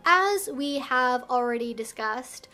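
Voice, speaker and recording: A woman with a high voice hosts an educational video. She explains things earnestly and articulately, as if from prepared notes. Faint music plays behind her. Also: lively intonation, slow pace, sharp tone. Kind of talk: explainer video to camera, semi-scripted.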